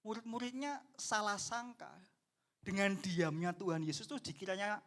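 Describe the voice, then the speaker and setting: High-voiced pastor preaching animatedly. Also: male voice, moderate pace. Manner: animated preaching, acts out the people in the story; addresses the congregation as "saudara". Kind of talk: sermon.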